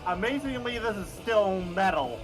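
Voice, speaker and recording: A man's voice: sits high, animated, moderate pace, music in the background, low-quality recording. A man co-hosting a podcast, chatting casually and wryly about clips he plays. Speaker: podcast co-host. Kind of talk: casual chat reacting to clips.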